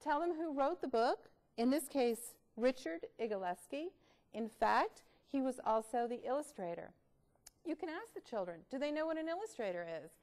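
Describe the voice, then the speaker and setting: A woman presenting read-aloud tips in an expressive, instructional way, with deliberate emphasis. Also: sits high. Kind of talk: instructional talk with storybook reading.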